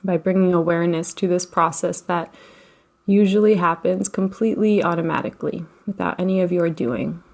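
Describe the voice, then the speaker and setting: A woman leading a guided relaxation as a meditation teacher, speaking in a gentle, unhurried, soothing way with long pauses. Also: lowish voice. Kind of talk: guided meditation, slow instruction.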